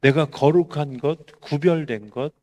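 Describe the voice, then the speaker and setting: Speaking a little slowly in a slightly high voice, a middle-aged pastor gives a conversational Korean sermon. He puts rhetorical questions to the congregation and moves back and forth between emphatic, raised passages and hushed, quiet moments.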